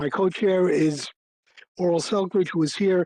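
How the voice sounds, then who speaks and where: A dark, mellow tone delivered in monotone, flat intonation. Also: man. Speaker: community board committee chair. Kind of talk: public meeting chairing. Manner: fast.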